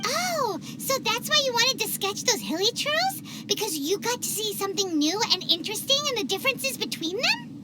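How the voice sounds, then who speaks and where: A woman voicing a tiny, nosy female fairy companion in a video game, excitable and talking about herself in the third person. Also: moderate pace. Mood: curious. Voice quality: high squeaky childlike voice. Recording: game music behind the voice.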